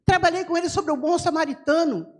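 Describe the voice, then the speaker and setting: High-pitched woman, missionary, church testimony, lively storyteller, mimics voices. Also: fairly quick. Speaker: missionary speaker. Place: church sanctuary.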